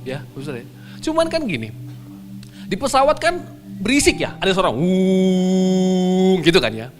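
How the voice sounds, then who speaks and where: A young man, a pastor, preaching a sermon and telling a story to his congregation in a lively way. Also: sits high, quick pace. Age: young adult. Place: church hall. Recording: with clear music behind.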